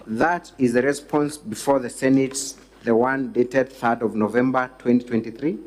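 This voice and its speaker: Deliberate Kenyan male lawyer, mid-pitched. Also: fairly even intonation, a little mellow. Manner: deliberate, phrase by phrase, courteous. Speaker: defence lawyer questioning a witness. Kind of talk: formal legal examination.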